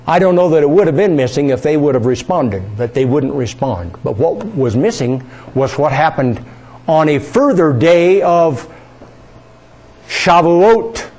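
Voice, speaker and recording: A man's voice: fairly high pitch, darkish tone. A man preaching a sermon, reading scripture aloud and asking his congregation questions.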